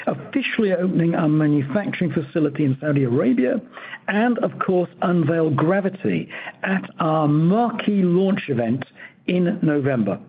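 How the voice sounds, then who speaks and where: A man's voice: fairly high pitch, husky. A man giving prepared remarks as a company executive on an earnings call, speaking with enthusiasm and emphasis. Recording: tinny phone-line audio.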